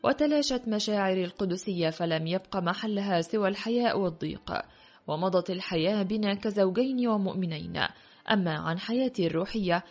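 A woman narrating a literary audiobook in a measured, reflective way. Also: medium pitch, a little mellow. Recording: dull lo-fi audio with faint music.

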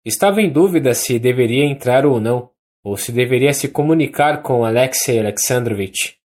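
Mellow Brazilian audiobook narrator. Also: medium pitch. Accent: Brazilian Portuguese. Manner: measured, even reading with small restarts. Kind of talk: scripted literary narration.

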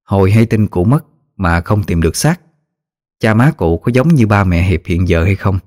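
A man narrating a ghost story in a measured, plaintive way. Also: low voice, expressive, darkish tone, dry recording, clean studio sound.

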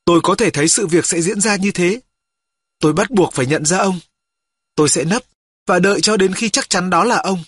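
A man reading a first-person story aloud as an audiobook, steady and storytelling. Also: high-pitched, fairly quick, husky. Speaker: audiobook reader. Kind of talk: scripted narration.

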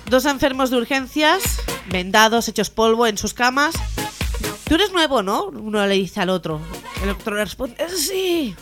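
A woman hosting a radio humor show, telling jokes in a lively way and putting on voices for the characters. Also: on the high side, normal speed. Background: music.

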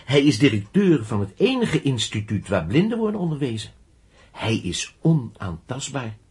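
An actor playing an embittered but idealistic blind music teacher in a radio play, halting and intense. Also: male voice, medium pitch, big pitch swings, darkish tone, slightly rough. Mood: bitter, despondent. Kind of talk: Dutch radio drama acting.

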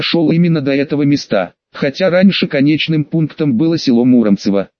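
Male audiobook narrator, fairly high voice, dry close recording, measured first-person telling with a wry edge. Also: darkish tone, no room sound, muffled recording.

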